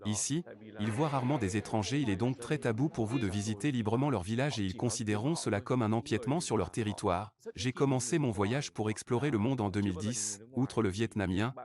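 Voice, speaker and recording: A man's voice: on the low side, a little fast, crowd noise, lightly acted. A man reading a scripted voice-over translation of an interview for a news report. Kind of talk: scripted French voice-over of a travel blogger's interview. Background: background music.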